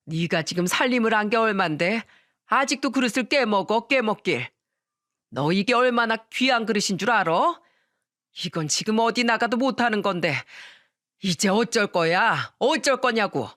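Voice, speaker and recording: A storyteller voicing a harsh old grandmother who berates her daughter-in-law in shrill bursts. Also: big pitch swings, slow pace, sharp tone, exaggerated voice. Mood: scolding.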